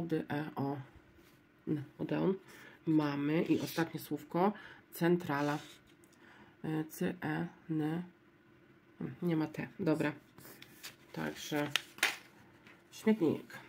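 Casting: woman vlogger, low voice, unhurried, murmurs letters aloud while checking scratch cards. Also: creaky, mellow. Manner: spells out letters one by one, low-key and murmuring. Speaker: lottery scratch-card vlogger.

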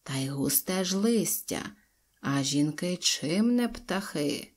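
A woman voicing an angry male robber chieftain who barks slow, gruff orders. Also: on the low side, lively intonation. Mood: scheming.

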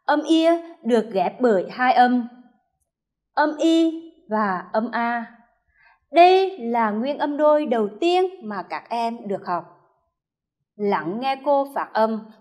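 Hue lady teacher, high voice, super slow, sounding out letters for little kids to repeat. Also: animated, darkish tone. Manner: slow, careful modeling of sounds, drawn-out repetitions for children to echo. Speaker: primary school teacher. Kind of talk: first-grade reading lesson.

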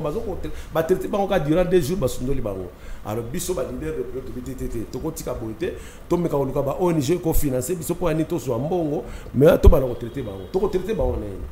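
A man's voice: on the high side, expressive, fast, mellow, reverberant, slight background noise. A Congolese man in his thirties, a studio guest speaking as an opinion leader, talking with emphatic force and switching between French and Lingala. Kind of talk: impassioned studio talk show discussion.

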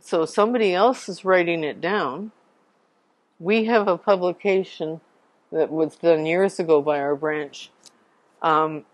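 A Canadian woman presenting a talk on genealogy research to a local society, explaining things in an unhurried way and spelling out names letter by letter. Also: fairly low pitch, no echo.

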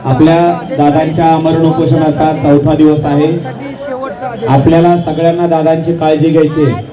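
Man announcing through a loudspeaker. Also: on the high side, little pitch movement, normal speed. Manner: firm, pleading crowd instructions. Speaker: protest stage announcer. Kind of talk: public address announcements to a crowd. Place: outdoor protest ground. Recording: echoey loudspeaker heard from far off, loud crowd. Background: large crowd.

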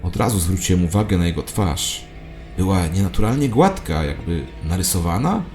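A man's voice: sits low, lively intonation, moderate pace, a little mellow. A man playing a paranoid, self-important conspiracy believer, telling his saga in a dramatic, confiding way as satirical audio drama narration. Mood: solemn, confiding. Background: music.

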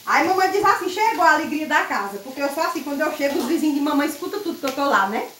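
A woman vlogging casually while she cooks at the stove at home, loud and chatty, laughing often. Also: sits high, animated, racing, slight background noise. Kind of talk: casual chat while cooking. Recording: echoey kitchen, mic set far off.

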